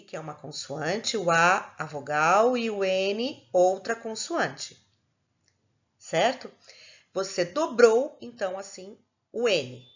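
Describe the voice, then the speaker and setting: A woman's voice: medium pitch, dull audio. A woman teaching a recorded lesson, explaining patiently step by step and checking in with her students. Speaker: English teacher.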